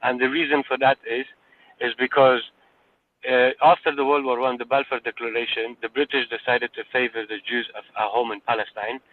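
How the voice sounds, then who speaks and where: A man's voice: medium pitch, flat delivery, a little fast. A man from Afghanistan arguing in a live audio room. He speaks insistently, lectures his listeners and repeats words when he is cut off. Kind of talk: heated debate. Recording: tinny phone-line audio.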